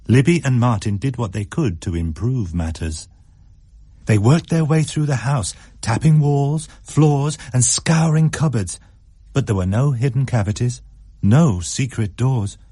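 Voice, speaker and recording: Guy reading a spooky story, low mellow husky voice, slow and wry. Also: no room sound, clean studio sound. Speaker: story reader. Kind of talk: storytelling narration.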